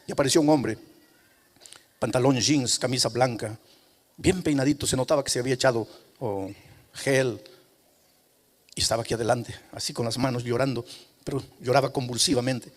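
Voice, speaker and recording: A male pastor telling a story in a sermon, often dropping to hushed tones. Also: medium pitch, moderate pace, pauses often. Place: large coliseum hall. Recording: long reverb of a large hall.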